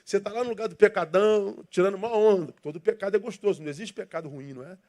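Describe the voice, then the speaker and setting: Brief: male pastor, high-pitched, emphatic sermon delivery full of rhetorical questions. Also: rapid-fire, a little mellow. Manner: emphatic and rhetorical, asking questions and leading the congregation in reading. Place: church.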